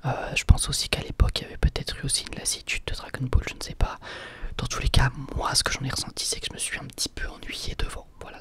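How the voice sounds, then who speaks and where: A man whispering softly in an ASMR question-and-answer video, pausing often on hesitant fillers. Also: medium pitch. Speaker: ASMR channel host.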